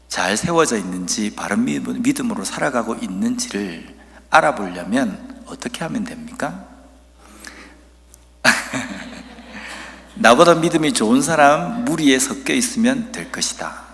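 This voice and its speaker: Low-voiced pastor with a Busan accent. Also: male voice, gravelly, a bit bright, long reverb tail. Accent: Busan dialect. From Busan, South Korea. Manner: storytelling, earnest and measured, with slow emphatic scripture reading. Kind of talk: sermon.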